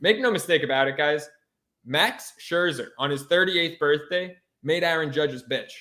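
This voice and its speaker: A man's voice: a little high, normal speed, bright, forceful tone. A man co-hosting a sports podcast in a casual chat, brash and emphatic, swearing freely. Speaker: podcast co-host.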